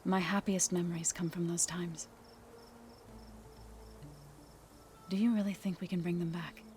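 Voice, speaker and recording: An actress playing an earnest, gentle, devout young tribal woman in a video game cutscene. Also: fairly low pitch, flat delivery, brisk, a little hiss or hum, close to an everyday voice. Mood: wistful.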